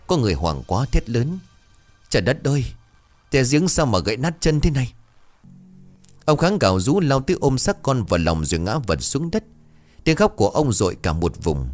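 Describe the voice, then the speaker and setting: Low, expressive male storyteller. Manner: expressive, swooping delivery. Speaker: narrator. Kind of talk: dramatic storytelling narration.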